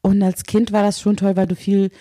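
A woman in her thirties, raised in Kazakhstan, talking as a podcast guest in a relaxed way with many fillers. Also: medium pitch, fairly quick. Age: 30s. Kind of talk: casual interview conversation. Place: her own apartment.

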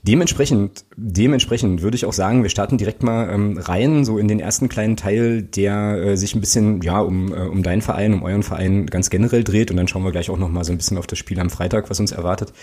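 A man's voice: fairly low pitch, quick pace, few pauses, darkish tone, breathy edge. A man hosting a casual fan podcast, chatty and joking, with lots of fillers. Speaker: podcast host.

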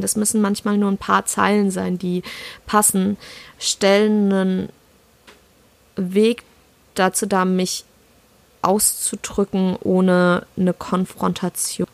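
Young woman, from southwestern Germany, podcast co-host, casual, reflective, halting, searching for words, mid pitch, dry sound. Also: vocal fry, no room sound. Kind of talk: casual conversational podcast chat.

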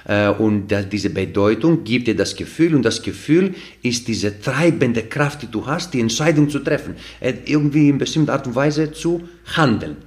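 On a podcast, a man who isn't a native speaker, and not a German speaker by first language, earnestly works through ideas with everyday examples, restarting often and using lots of fillers. He talks at normal speed with few pauses, a medium pitch, and lively intonation in a casual, explanatory way.

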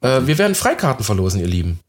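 A man's voice: fairly low pitch, big pitch swings, rapid-fire. Guy co-hosting a chill podcast, chatty, laughs a lot, talks right to the listeners. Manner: chatty, addresses listeners as "ihr Lieben", laughs easily. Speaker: podcast co-host. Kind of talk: casual podcast chat.

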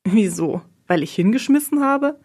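A woman's voice: mid-range voice, lively intonation, normal speed, a little mellow, husky. A woman voicing a defensive, indignant young woman. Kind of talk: audiobook role reading.

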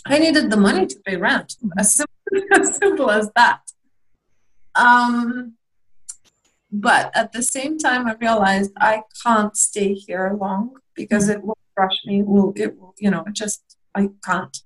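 A woman's voice: medium pitch, measured pace, fairly bright tone, poor audio. A young woman from Lithuania, a guest in a candid interview, talking reflectively with hesitant restarts and small laughs.

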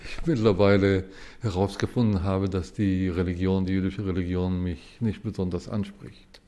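A man in his seventies from Israel, a historian giving measured explanations as an interview guest. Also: sits low, fairly even intonation, dark tone. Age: 70s. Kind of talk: casual interview talk.

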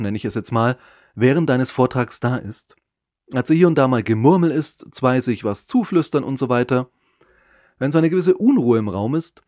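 Guy explaining how to use your voice, steady and clear, middle pitch, dry close mic. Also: dry recording. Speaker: podcast host and speaking coach. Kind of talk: scripted advice talk.

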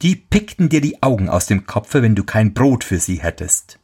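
A man voicing a kindly talking white horse that calmly advises its rider in a storybook tale. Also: fairly low pitch, normal speed, slightly rough, heavily acted. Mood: advising.

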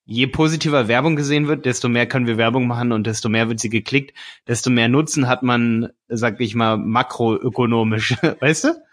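A man's voice: medium pitch, fairly even intonation, fairly quick. A man on a podcast talking casually, explaining his ideas eagerly with hesitant fillers along the way. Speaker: podcast co-host, ads course seller.

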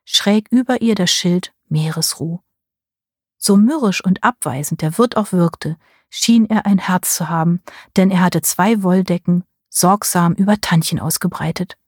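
A woman narrating a first-person audiobook in a measured storytelling way, with a husky voice. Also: fairly low pitch, darkish tone, no echo, studio quality. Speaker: audiobook reader.

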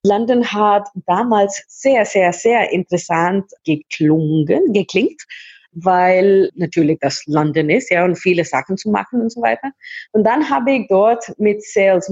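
A woman's voice: medium pitch, a little mellow, slightly rough, highs cut off. A woman from India, Hindi native, telling her life story in an interview, often restarting and repeating words. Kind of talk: casual interview talk.

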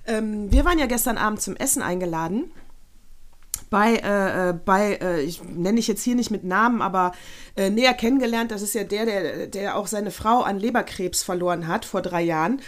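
A woman's voice: mid-range voice, normal speed. A middle-aged woman co-hosting a podcast, chatting casually and telling rambling anecdotes full of restarts. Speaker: podcast co-host. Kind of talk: casual chat.

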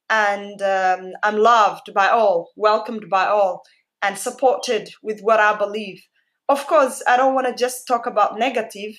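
A woman's voice: medium pitch, fairly bright tone. A woman with an East African accent giving a personal talk in a heartfelt, emphatic manner, often repeating phrases for emphasis. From Somalia-born, raised in Kenya. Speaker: guest speaker.

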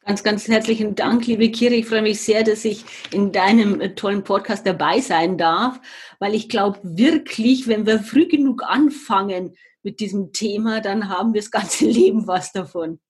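A woman's voice: medium pitch, moderate pace, darkish tone, husky. An older woman, a podcast guest, tells her life story in an earnest, reflective way with some hesitations. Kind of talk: personal storytelling in a conversation.

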